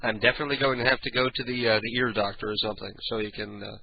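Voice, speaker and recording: An older man with a raspy, booming voice and clogged sinuses hosts a casual, profane late-night radio talk show. He rambles through stories and keeps clearing his throat. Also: fairly even intonation, rapid-fire, highs cut off.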